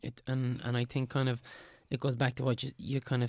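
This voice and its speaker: In an Irish accent, a man with a medium pitch talks at a fairly quick pace with a monotone, flat intonation, in a dry, close sound with no echo. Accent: Roscommon Irish, noticeable. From Roscommon, Ireland. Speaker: circus artist and aerial teacher. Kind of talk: casual interview chat. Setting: studio.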